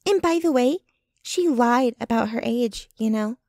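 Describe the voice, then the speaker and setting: This time the jealous, possessive, doting young girlfriend is voiced fairly high and a little slow, animated yet darkish in tone. The clean studio recording has no echo, and her indignant, intimate ASMR roleplay veers dramatically from ranting to breathy murmurs.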